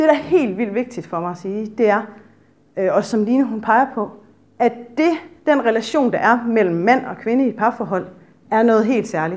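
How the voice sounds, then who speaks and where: Her pitch fairly high with ordinary variation, a woman speaks at a moderate pace, leaving long, frequent pauses. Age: 30s. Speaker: speaker at church event. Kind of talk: talk to a church audience. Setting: stage with audience.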